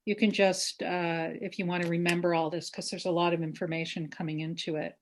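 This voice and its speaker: A woman hosting and moderating an event, making informal announcements in a casual, halting way. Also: lowish voice, flat delivery, slight background noise.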